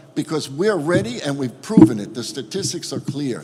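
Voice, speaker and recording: A man with a New York accent, a fairly high pitch and lively intonation, over noticeable background noise. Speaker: cruise line executive. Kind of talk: prepared remarks at a roundtable meeting.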